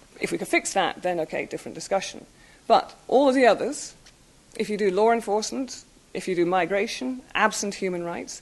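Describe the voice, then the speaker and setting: With lively intonation, a woman speaks in a British accent. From Britain. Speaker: human rights official and lecturer. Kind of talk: lecture. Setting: stage with audience at university. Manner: informal, conversational.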